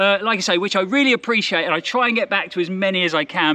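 A man talks at a very fast pace in a raised, projected voice, his tone bright and sharp, with ordinary pitch variation. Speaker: running vlogger. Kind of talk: casual vlog chat. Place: forest. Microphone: phone near.

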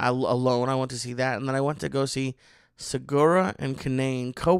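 A normal speaking voice from a medium-pitched man, moderate in pace with fairly even intonation, on a very clean recording with a silent background. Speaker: podcast host and stand-up comedian. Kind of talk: casual chat.

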